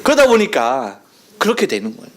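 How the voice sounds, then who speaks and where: A man's voice: fairly high pitch, wildly swooping pitch, a little fast, slight background noise. A male pastor from Chungcheong preaching a sermon in a playful, storytelling way, mimicking dialect phrases. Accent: Chungcheong Korean. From Chungcheong, South Korea. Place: church sanctuary.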